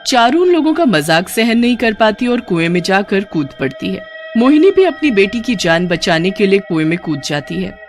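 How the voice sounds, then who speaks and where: A woman narrating a cartoon horror story in an even, scripted storybook manner. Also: mid-range voice, moderate pace, faint music behind.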